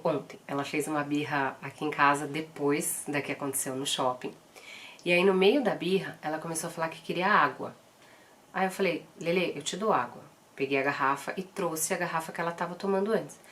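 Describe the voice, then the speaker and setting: Brief: Brazilian woman, 30s, mother-vlogger, lowish voice, direct and earnest. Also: a little fast, fairly bright tone. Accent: Brazilian Portuguese. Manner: earnest and direct, firm when quoting commands. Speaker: mother sharing parenting advice. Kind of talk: casual advice vlog.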